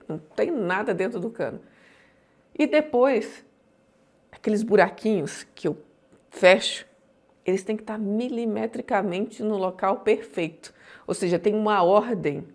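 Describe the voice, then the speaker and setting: A woman teaching an online course on public speaking, explaining points emphatically and often checking that listeners follow. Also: mid-range voice.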